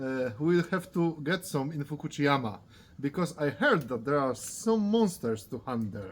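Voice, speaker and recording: In a Polish accent, a man speaks at a fairly high pitch with very wide pitch swings. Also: moderate pace. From Poland. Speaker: property buyer client. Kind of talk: casual chat. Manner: animated.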